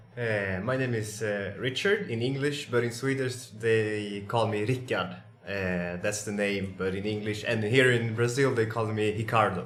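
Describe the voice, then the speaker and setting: Over noticeable background noise and audible room echo, a man speaks at a fairly low pitch and moderate pace, with fairly even intonation and hardly any pauses. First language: Spanish. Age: 20s. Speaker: student. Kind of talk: casual interview. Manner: hesitant, many fillers.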